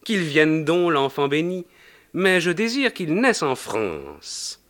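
A man's voice: fairly high pitch, very animated, takes it slowly, fairly bright tone, voice pushed up, exaggerated voice. A man voicing a pompous, devoted middle-aged baron who speaks formally to his wife in a storybook reading. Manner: stiff, formal.

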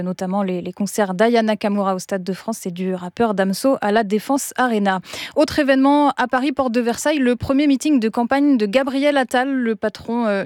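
A woman's voice: on the high side, dry recording. Dry-studio woman news anchor. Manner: steady, with frequent hesitations. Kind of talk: news presenting. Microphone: studio mic.

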